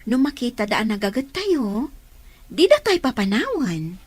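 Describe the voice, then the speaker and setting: A woman's voice: a little high, big pitch swings, unhurried, breathy edge, exaggerated voice. A woman with an Ilocano accent playing an industrious, plain-spoken aunt in an audio drama. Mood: matter-of-fact.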